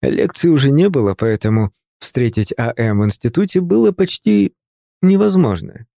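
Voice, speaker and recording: Mellow male audiobook narrator, dry sound. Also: mid-range voice, vocal fry, no echo. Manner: calm, measured storytelling. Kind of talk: scripted narration of a novel.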